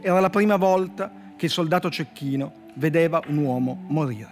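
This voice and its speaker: A man with a Turin accent, a poet guest on a radio show, reading his short comic fables in a dry, deadpan way with slow pauses before the punchlines. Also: fairly high pitch. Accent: Italian, from Turin. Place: radio studio. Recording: music bed playing faintly behind.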